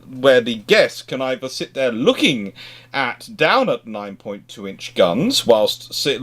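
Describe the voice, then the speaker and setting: A man giving expert commentary in a naval history discussion, often reworking his phrases as he goes. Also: mid-range voice.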